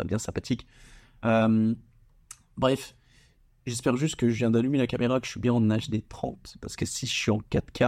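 A man's voice: lowish voice, darkish tone. Young man, solo podcast host; casual slangy delivery, frequent stumbles and repeated words.

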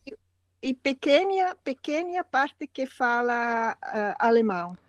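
A Dutch-accented woman from Flanders speaks very slowly in learner's Portuguese, pausing and repeating as she hunts for words. Her slightly high voice sounds dry and close. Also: animated, dry recording. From Flanders, Belgium. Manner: halting learner speech, searches for words and repeats. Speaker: student and guest caller. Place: outdoors in her garden.

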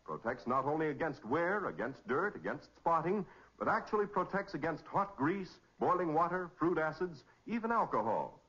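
Male announcer, 1940s radio ad read, highish voice, slightly husky, dull old recording. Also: big pitch swings, moderate pace, a bit bright.

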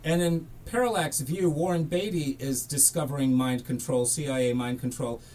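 A man's voice: medium pitch, normal speed, a little mellow, slight background noise, low-quality recording. A man hosting a podcast, talking casually and drifting into tangents about films. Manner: chatty, tangent-prone. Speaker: podcast host. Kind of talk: casual film discussion.

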